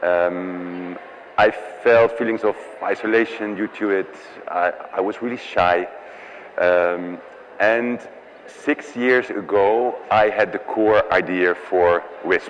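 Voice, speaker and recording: A man with a Dutch accent speaks at a very slow pace, with long, frequent pauses and fairly even intonation. His pitch is fairly low, and there is noticeable background noise. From Netherlands. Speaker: tech startup founder. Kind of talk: conference presentation. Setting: audience in a room. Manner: stuttering; halting with fillers.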